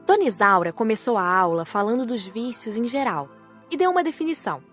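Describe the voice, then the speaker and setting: A woman's voice: on the high side, big pitch swings, fairly quick, fairly bright tone, faint music behind. A woman reading scripted audiobook narration as the narrator.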